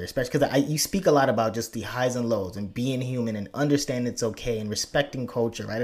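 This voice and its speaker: An enthusiastic male interviewer from Nigeria speaks at a middle pitch in a relaxed conversation. He reacts warmly to what he hears and tends to rephrase his questions as he asks them. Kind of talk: casual interview talk.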